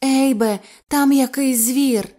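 A woman's voice: sits high, fairly even intonation, takes it slowly, dark tone, pitched above the performer's own voice. A woman voicing a frightened, tearful young woman who shrieks and cries out in panic. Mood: panicked.

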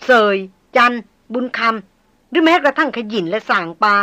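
A woman's voice: high-pitched, expressive, normal speed, bright, forceful tone, pitched above the performer's own voice. A woman voicing an anxious, hot-tempered young noblewoman who presses with indignant questions. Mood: heartfelt.

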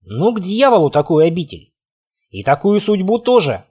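A man's voice: sits high, big pitch swings, normal speed, darkish tone, husky, heavily acted. A man voicing a wary young companion who grumbles, in an audiobook. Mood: wry.

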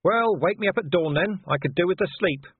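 A man voicing a worn-out, sardonic male watch commander shouting defiance from a tree. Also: sits high, expressive, fairly quick, breathy edge, dry recording, phone-quality sound, pitched above the performer's own voice. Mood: defiant shouting.

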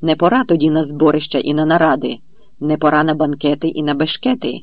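A man voicing a stern commander addressing rebellious troops with a thunderous yet calm voice in an audiobook. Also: on the high side, fast, no room sound, close to an everyday voice. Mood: stern, commanding. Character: stern older male commander, calm authority. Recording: dull lo-fi recording.

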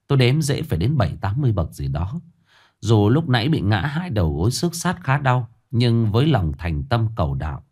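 A man tells a first-person ghost story. His voice is low and very lively, rising and falling widely, and he narrates in an expressive, unhurried way.

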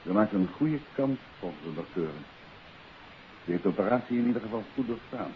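A male actor plays a calm, self-assured gentleman detective in an old radio mystery. His low voice moves expressively as he speaks with deliberate, theatrical authority. The recording is muffled, with a faint hiss. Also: close to an everyday voice. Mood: courteous, businesslike. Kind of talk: 1950s Dutch radio drama acting.

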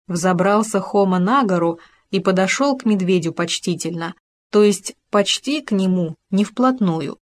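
A woman narrating a children's story in a calm, even storytelling manner. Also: medium pitch, moderate pace. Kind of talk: audiobook story reading.

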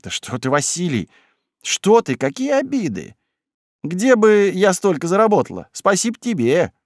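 A man's voice: on the high side, dry recording, studio quality, pitched above the performer's own voice. A man doing a stingy whining village woman. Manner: plaintive, defensive village speech. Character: wheedling, stingy middle-aged village woman.

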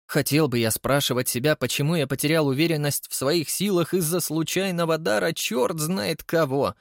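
A man's voice: fairly high pitch, normal speed, vocal fry, no room sound, clean studio sound, voice pushed up. A man voicing a vain, eccentric male artist who talks dramatically and indignantly, in an audiobook reading. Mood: impassioned. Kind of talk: audiobook character voice.

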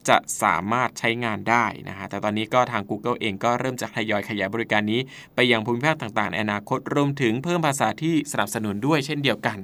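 A man's voice: on the low side, quick pace, few pauses, fairly bright tone. A man co-hosting a tech talk show, presenting news casually, often hesitating and repeating words with polite endings.

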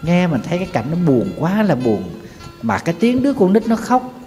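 A Buddhist monk with a Southern Vietnamese accent tells a sorrowful story to his listeners, speaking straight to them. His voice sits fairly high for a man. It rings out with a long hall reverb over soft background music. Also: sing-song, fairly quick. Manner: sorrowful storyteller addressing the audience directly. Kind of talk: storytelling sermon. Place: lecture hall.

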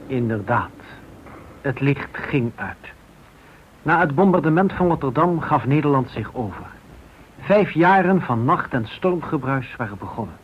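A man's voice: mid-range voice, animated, measured pace. A man giving dramatic scripted narration for a radio play, in grave, clipped sentences. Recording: muffled old radio recording, clear noise.

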